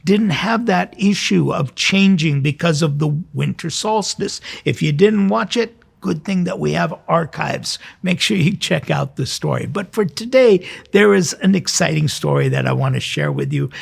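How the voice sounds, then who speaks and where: Male priest-host, heavy vocal fry, husky, slightly high-pitched. Informal, conversational preaching aimed straight at the listener. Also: expressive, moderate pace, hardly any pauses. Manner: conversational, addresses listeners directly with questions. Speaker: priest hosting a weekly devotional programme. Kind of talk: informal spoken sermon to listeners. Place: recorded in a cathedral choir loft.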